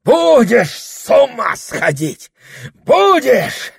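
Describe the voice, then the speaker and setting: A man voicing a huge, drunken, furious deacon who bellows long, drawn-out threats. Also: on the low side, lively intonation, fairly bright tone. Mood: bellowing.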